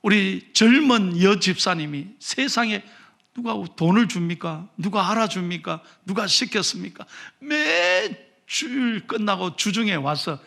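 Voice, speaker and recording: A man with a Gyeongsang accent preaching a sermon, telling stories animatedly and swinging from shouts to whispers. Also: high voice, animated, a little slow, gravelly. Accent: Gyeongsang Korean. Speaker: pastor.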